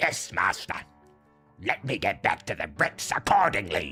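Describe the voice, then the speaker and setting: A put-on character voice is performed over faint music in the background. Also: man, moderate pace. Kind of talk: obsequious. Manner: servile, groveling.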